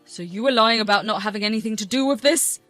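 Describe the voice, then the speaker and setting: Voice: medium pitch, fast talker, fairly bright tone, close to an everyday voice. A voice actor playing a betrayed, angry grown son and husband who confronts his mother, over faint music. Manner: outraged, confronting.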